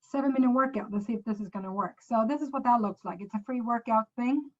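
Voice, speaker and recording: A woman's voice: a little high, quick pace, highs cut off. Swedish-accented woman giving a chatty demo. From Sweden. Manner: chatty, loose, frequent self-corrections. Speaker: presenter. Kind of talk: casual screen-share app demo.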